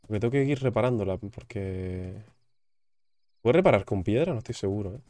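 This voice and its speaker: A man's voice: lowish voice, animated, fairly quick, warm tone, no room sound. A young man, chatting casually while playing a game and repeating words as he reacts. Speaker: gaming YouTuber. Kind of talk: casual gameplay commentary.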